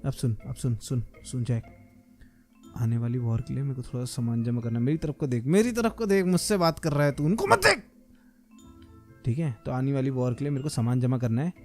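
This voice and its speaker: A man hosting a casual Minecraft role-play video, talking with energetic, slangy banter and teasing insults. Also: medium pitch, brisk, soft background music. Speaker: gaming YouTuber host.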